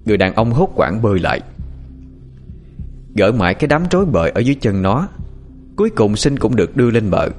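Male storyteller, dramatic narration, lively delivery. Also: fairly low pitch. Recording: faint background music.

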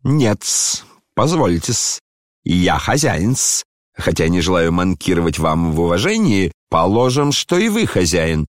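A man's voice: deep voice, sing-song, unhurried, dry recording, studio quality. A man voicing a tipsy, insolent middle-aged landlord in an audiobook, fawning yet rude and tacking a servile "-s" onto his words.

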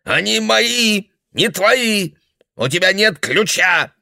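A man's voice: on the high side, very animated, slow, no room sound, clean studio sound, pitched above the performer's own voice, full character voice. A man doing a raging, paranoid old man. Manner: shouting, paranoid, accusing. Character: confused angry old man, father.

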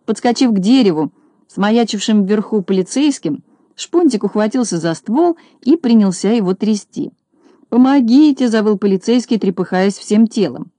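A woman narrating a children's storybook, steady and expressive. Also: mid-range voice, moderate pace, no room sound. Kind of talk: storybook reading.

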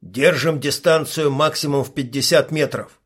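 Narrator playing a gruff military commander in an audiobook; husky, curt orders. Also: male voice, fairly high pitch, steady tone, normal speed. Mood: stern. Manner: barking orders, swears. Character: gruff male squad commander, foul-mouthed and stern.

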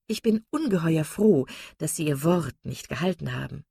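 A woman's voice: sits low, lively intonation, moderate pace, vocal fry, mellow, husky, no room sound, heavily acted. A woman playing a gushing, falsely sweet young lady.

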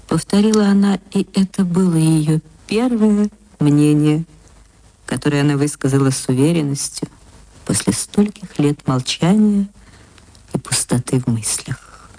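A woman narrating a literary radio play in a measured, expressive way. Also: sits low, low-quality recording.

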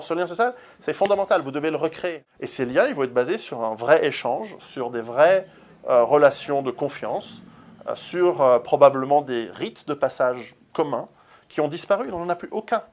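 A man, an author, answering interview questions in an earnest, forthright way, with many fillers and repeated words. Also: a little high.

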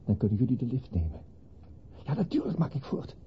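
A man an actor playing a slippery, flattering charmer in an old radio play. His mid-pitched voice moves up and down a lot as he placates and stalls. The recording is dull, with audible noise. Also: fairly quick, natural voice. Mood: flustered. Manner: placating, flattering, hesitant when cornered. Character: smooth-talking, evasive male newspaperman juggling lovers.

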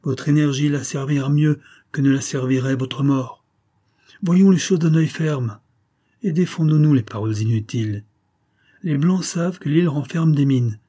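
A man's voice: medium pitch, mellow, voice pushed up, natural voice. A man voicing a resolute tribal chief who speaks firmly and commandingly to his council. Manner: firm, commanding.

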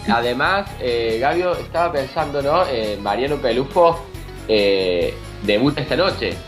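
A man's voice: mid-range voice, expressive, measured pace, faint music behind. A man with an Argentine Spanish accent, co-hosting a casual chat about a TV show, enthusiastic and repeating words as he thinks. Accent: Rioplatense Spanish. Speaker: co-host.

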